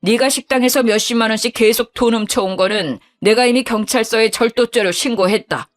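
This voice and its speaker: A woman's voice: a little high, brisk, soft background music, pitched above the performer's own voice, close to an everyday voice. A woman doing a stern older father-in-law. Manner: stern, commanding.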